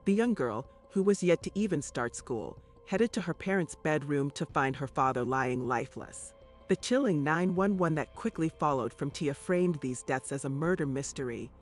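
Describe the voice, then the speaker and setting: A man's voice: a little high, expressive, moderate pace, faint music behind. A man reading scripted true crime documentary narration in a formal, dramatic storytelling manner.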